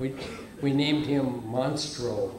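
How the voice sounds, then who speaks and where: Through noticeable background noise, a man with an American accent speaks with fairly even intonation. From US Midwest. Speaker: former resident and local history speaker. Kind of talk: reminiscence speech to audience. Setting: reunion gathering with microphone and audience. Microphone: podium.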